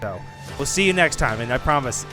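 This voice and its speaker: A man's voice: medium pitch, lively intonation, brisk. A man hosting a podcast, talking informally in a rambling, apologetic way to listeners. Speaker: podcast host. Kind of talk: casual podcast sign-off. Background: music.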